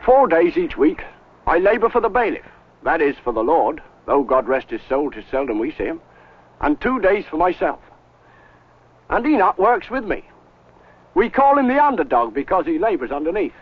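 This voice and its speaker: An actor playing a humble, hard-working medieval village carpenter with rustic archaic speech, on an old educational film. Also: male voice, on the high side, big pitch swings, moderate pace, slightly rough. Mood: plain, proud. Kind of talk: educational film historical acting. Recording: muffled old 16mm film soundtrack.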